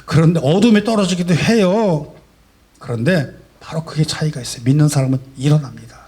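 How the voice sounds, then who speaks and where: A male pastor preaching a sermon, asking rhetorical questions and swinging between soft and loud emphasis. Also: fairly high pitch, brisk, breathy edge. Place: church sanctuary.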